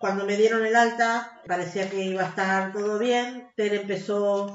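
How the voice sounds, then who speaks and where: Fairly slow speech from a woman at a medium pitch, with fairly even intonation and audible room echo. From Uruguay. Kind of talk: interview.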